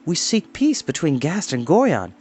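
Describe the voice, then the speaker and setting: A man's voice: fairly high pitch, huge pitch swings, normal speed, a little mellow, husky, voice pushed up, full character voice. Male reader doing an earnest young pig keeper, lightly raised, respectful. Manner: earnest, pleading.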